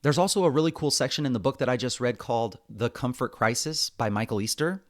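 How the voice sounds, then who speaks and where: A man's voice: mid-range voice, quick pace. An American man presenting a semi-scripted solo podcast, speaking in an earnest, conversational way straight to his listeners. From United States. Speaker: podcast host.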